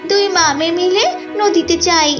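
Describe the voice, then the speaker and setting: An anxious, protective cartoon mother duck, voiced by a woman. The voice is extremely high, in a dull recording with music behind it. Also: measured pace. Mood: protective, soothing. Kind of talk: children's cartoon dialogue.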